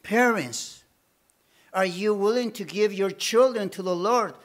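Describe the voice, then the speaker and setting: Slow, high-voiced preacher. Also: male voice. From Bolivia. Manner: slow, emphatic preaching with repeated phrases. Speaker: missionary preacher. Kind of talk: sermon.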